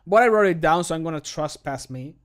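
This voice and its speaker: Recording voice lines for a game mod on a livestream, this streamer in his thirties works from a small indoor room at home. His voice is a little high, expressive and fairly quick, with a clear, resonant and slightly bright tone. He chats casually, thinks aloud, puts himself down jokingly and curses at times.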